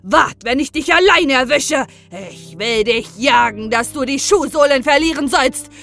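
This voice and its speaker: A woman voicing a quarrelsome old peddler man with a goat beard in an audiobook fairy tale, lamenting and crying out loudly. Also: medium pitch, normal speed, soft background music, lightly acted. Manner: loud, lamenting outbursts.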